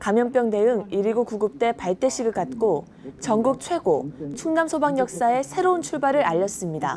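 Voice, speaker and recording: A woman's high voice with very wide pitch swings. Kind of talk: TV news narration.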